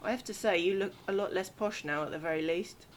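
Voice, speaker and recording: A dry, grudging female fugitive acted by a woman in an amateur audio play. Her voice sits at an ordinary middle pitch and sounds sceptical, over faint rumbling noise. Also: fast, natural voice. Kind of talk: amateur audio drama acting.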